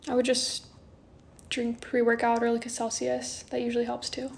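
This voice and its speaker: A woman in her twenties chatting casually on a livestream from her bedroom, soft and drowsy, often trailing off. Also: fairly high pitch, completely flat delivery, moderate pace, gravelly, slight background noise. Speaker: livestream host. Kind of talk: casual chat answering viewer comments. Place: small bedroom indoors. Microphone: phone held close, front camera.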